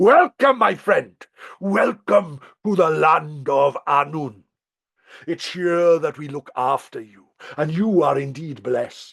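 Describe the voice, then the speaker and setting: Putting on a character voice, a man talks at a fairly slow pace in a fairly high pitch. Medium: read story. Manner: grand, hospitable.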